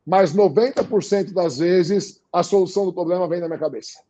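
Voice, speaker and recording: A man with a Brazilian Portuguese accent talks at a fairly high pitch in a dark, mellow tone. He is animated and emphatic, driving his points home by repeating phrases. The recording is a little dull and muffled. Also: fairly quick. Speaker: guest. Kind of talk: casual interview talk.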